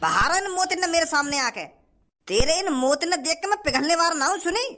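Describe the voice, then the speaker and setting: A man's voice: very high-pitched, expressive, a little fast, pushed and bright, exaggerated voice. A man voicing a stingy, rude male shopkeeper. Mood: scornful. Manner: scornful, rustic dialect.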